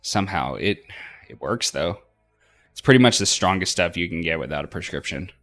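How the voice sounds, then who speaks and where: A man reading a visual novel aloud as expressive first-person narration for a let's play. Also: deep voice, brisk, faint music behind. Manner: acts out dialogue between narrated passages.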